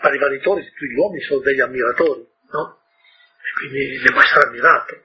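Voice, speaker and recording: A man preacher giving sermon-like commentary on a book, rhetorical and often asking "no?", with a very husky voice. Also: medium pitch, quick pace, lo-fi sound.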